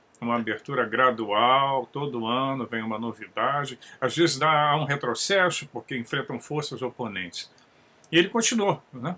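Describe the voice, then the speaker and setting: Medium-pitched male voice, bright and sharp in tone, with lively intonation at a moderate pace. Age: 60s. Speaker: UFO enthusiast commentator. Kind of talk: casual monologue commentary. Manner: halting, frequent self-corrections.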